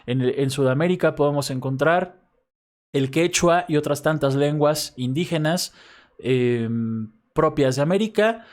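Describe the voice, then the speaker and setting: A male university professor with a Mexico City accent giving a recorded class lecture, explaining patiently and often checking in with his students using quick tag questions. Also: on the high side. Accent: Mexico City Spanish.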